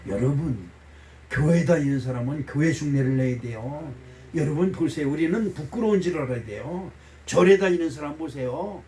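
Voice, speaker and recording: A middle-aged man preaching a sermon as pastor, animated, swinging between loud exclamations and low asides. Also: a little hiss or hum. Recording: voice from a distance.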